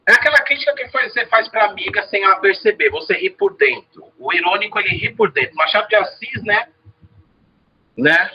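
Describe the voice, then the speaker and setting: A man's voice: sits high, slightly rough, lo-fi sound. A man teaching a casual review lesson, chatty, often checking in with "né?". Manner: chatty, repeats words and asks "né?".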